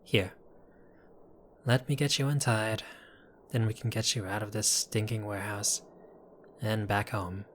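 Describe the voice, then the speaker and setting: Slow-talking, charming mobster played by a man. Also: on the low side, steady tone, a little hiss or hum, natural voice. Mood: apologetic, reassuring. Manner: unhurried, flirtatious, wry, addressing listener as doll. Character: apologetic, charming mobster, exasperated yet courteous. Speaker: voice actor in audio roleplay. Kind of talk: intimate audio roleplay acting.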